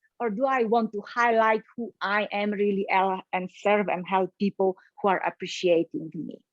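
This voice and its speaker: A woman with a Polish accent at medium pitch and a moderate pace, hardly any pauses, in a dry, close sound with no echo. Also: ordinary pitch variation. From Poland. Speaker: leadership coach. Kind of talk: interview. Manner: halting.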